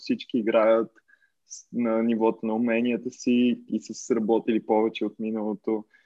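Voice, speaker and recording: A man with an ordinary speaking voice talks at medium pitch and a moderate pace. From Bulgaria, Sofia. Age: 20s. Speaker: football podcast co-host, student. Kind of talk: casual chat.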